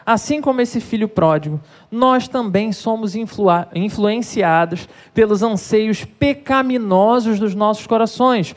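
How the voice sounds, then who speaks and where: Emphatic preacher with a Brazilian accent. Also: darkish tone. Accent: Brazilian Portuguese. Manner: emphatic, with dramatic rises and drops in pitch; addresses both the congregation and viewers at home. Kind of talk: sermon.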